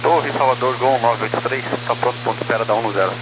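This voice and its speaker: A man's voice: mid-range voice, steady tone, fast. A man working as an airline pilot, making clipped, procedural calls over crackly aircraft radio. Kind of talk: aviation radio communication. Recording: noisy, humming air traffic radio.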